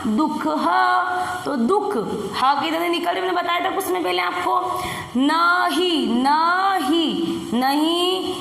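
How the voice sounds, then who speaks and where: A woman's voice: extremely high pitch, normal speed, creaky, a bit bright. A woman teaching young children a Hindi lesson, sounding out words syllable by syllable and asking coaxing questions. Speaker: primary school Hindi teacher. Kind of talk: recorded classroom lesson. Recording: echoey room with long reverb.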